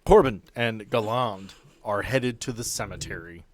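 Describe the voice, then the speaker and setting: A man's voice: lowish voice, a little slow. A man running a tabletop game as game master, improvising narration in a casual way.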